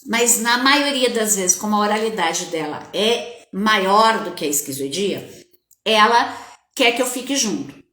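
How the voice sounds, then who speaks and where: A woman parenting coach giving a casual live-stream talk, speaking straight to her viewers in a lively, conversational way. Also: mid-range voice, measured pace. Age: adult with a child. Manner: animated, conversational, addresses viewers directly. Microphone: webcam or phone on a live stream. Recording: echoey room.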